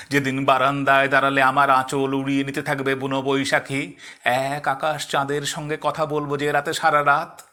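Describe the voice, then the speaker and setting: A man reciting poetry in a dramatic, expressive way, in measured phrases set apart by pauses. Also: mid-range voice.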